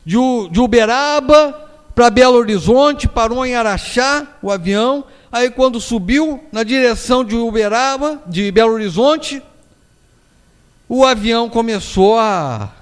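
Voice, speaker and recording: Brazilian male lecturer, high voice, animated storyteller, echoing hall. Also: measured pace, smooth. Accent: Brazilian Portuguese. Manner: storytelling, acts out quoted voices, frequent tag questions. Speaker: spiritist lecturer. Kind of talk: public lecture with anecdotes. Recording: long hall reverb.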